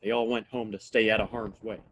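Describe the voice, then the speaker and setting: A man playing a gruff, plain-spoken frontier man in a western audio play, with steady, folksy phrasing. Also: fairly low pitch, a little fast, poor audio. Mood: matter-of-fact.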